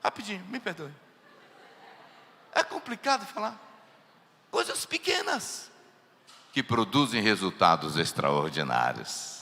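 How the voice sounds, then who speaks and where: A man preaching a sermon as pastor, animated, mimicking family members in quoted voices and putting questions to the congregation. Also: lowish voice, unhurried. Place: church hall. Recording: long echoing church hall.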